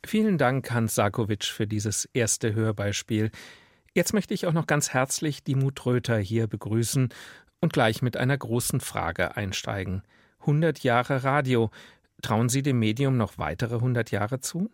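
A man's voice: medium pitch, unhurried, no room sound. A man hosting an interview, putting questions to guests in a polite, structured way. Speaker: host, moderator.

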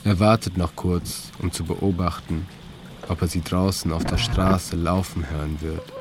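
A man calmly narrating a literary audio story in a slow, even third-person telling. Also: low voice. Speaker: author-narrator of an audio piece. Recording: clear ambient noise bed under the voice.

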